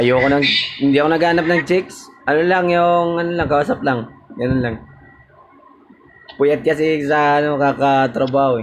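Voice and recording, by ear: Speaking at a moderate pace with a Visayan accent, a man with a fairly high voice uses ordinary pitch variation and long, frequent pauses over noticeable background noise.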